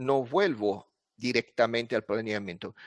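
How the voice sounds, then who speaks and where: A man with a non-native accent speaks at a medium pitch, the sound dry and close with no echo over a quiet background. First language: not Spanish (speaking Spanish). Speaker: university international affairs speaker. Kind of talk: conference talk. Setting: virtual conference. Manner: halting, many fillers.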